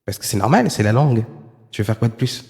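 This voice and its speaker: A man's voice: medium pitch, very animated, fast, gravelly, darkish tone, in a large hall. A man streaming live, commenting on videos and chatting with viewers in a sarcastic, rambling way with lots of fillers.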